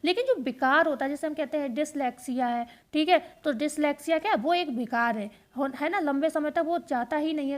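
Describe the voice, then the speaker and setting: A high-voiced woman teaches an exam-prep lesson, explaining things step by step. She reinforces key points by repeating them as quick questions and answers.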